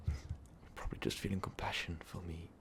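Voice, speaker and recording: A man playing a lovestruck, remorseful vampire overlord in an ASMR roleplay, speaking in a halting, breathy, confessional way. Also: fairly bright tone, slight background noise, natural voice. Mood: shaken, apologetic. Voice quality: breathy, whispery, gravelly low voice. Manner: halting, slow, confessional, formal wording. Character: tormented, lovestruck male vampire overlord, remorseful ruthless conqueror. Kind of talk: ASMR roleplay, intimate monologue to listener.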